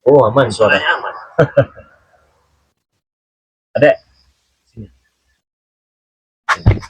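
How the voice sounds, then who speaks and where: A man's voice: medium pitch, slow pace, breathy edge, no echo, poor audio. A man hosting a live stream, telling a rambling story with frequent chuckles and questioning a child. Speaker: channel host.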